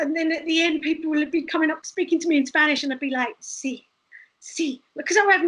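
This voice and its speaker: A woman's raised, projected voice, bright and sharp in tone, with ordinary pitch variation. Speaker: street performer. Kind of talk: interview answer. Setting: Skype call. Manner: energetic.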